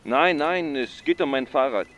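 A man's voice: on the high side, moderate pace, fairly bright tone, close to an everyday voice. An actor playing a clueless male caller reporting a stolen bike, hesitant and full of filler sounds. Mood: rambling.

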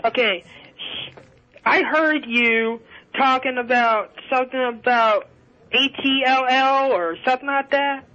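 A man calling in to a radio show over the phone, talking in a halting, rambling way full of restarts and fillers. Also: very high-pitched, sharp tone. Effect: caller heard over a phone line. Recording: dull lo-fi phone line.

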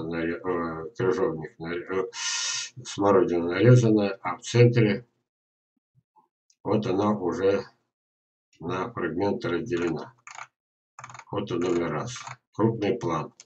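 An older man giving an informal instructional webinar talk, speaking haltingly with drawn-out words and pauses. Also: low voice, a little mellow, low-quality recording. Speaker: gardener presenting an online lesson. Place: indoors in a small dim room at a computer.

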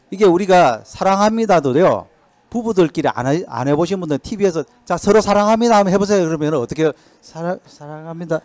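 A man giving a motivational sales lecture in a lecture hall, lively and constantly asking the audience rhetorical questions. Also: fairly high pitch. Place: lecture hall at a training center.

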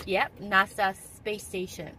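A woman narrates a family travel day, chatty and quick to laugh. She speaks slowly at a middle pitch. Her phone recording carries heavy background noise. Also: little pitch movement. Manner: chatty, points things out, laughs easily. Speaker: family vlogger. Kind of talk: casual travel vlog narration. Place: in a car, outdoors and in a restaurant. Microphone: phone camera at arm's length.

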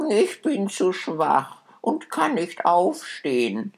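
A sickly old fairy-tale grandmother, acted out by a man. The voice is feeble, far higher than his own, and drawn out slowly. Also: huge pitch swings, vocal fry, exaggerated voice. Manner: feeble, very high-pitched.

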